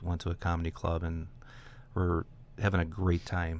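A man speaks in a relaxed tone at a very deep, low pitch. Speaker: domestic violence advocate, law enforcement. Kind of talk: radio interview.

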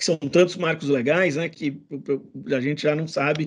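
A man talks with fairly even intonation. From Santa Catarina, Brazil. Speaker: public prosecutor; guest. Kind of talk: interview. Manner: halting, many repetitions and fillers. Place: home room. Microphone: video call.

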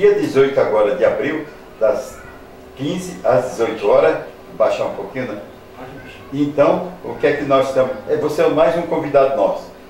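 Delivery is at a fairly slow pace. There is light background noise and audible room echo. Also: man. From Brazil, Ceará (Tauá). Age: 70s. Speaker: TV show host. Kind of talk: promotional presentation. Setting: studio. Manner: animated. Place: studio.

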